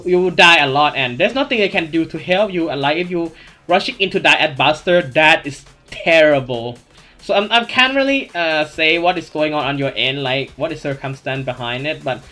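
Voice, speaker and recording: A man's voice: fairly high pitch, pushed and bright. A man with a thick Thai accent hosting a casual gaming Q&A, rambling with lots of fillers and restarts. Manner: rambling, many "you know" fillers and restarts. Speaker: gaming channel host. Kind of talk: casual Q&A commentary over gameplay.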